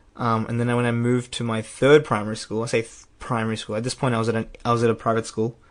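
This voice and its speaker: A man's medium-pitched, monotone, flat delivery at a very fast pace with hardly any pauses, over a quiet background. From Australia, Nepalese family. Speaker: podcast co-host. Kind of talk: casual chat. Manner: halting.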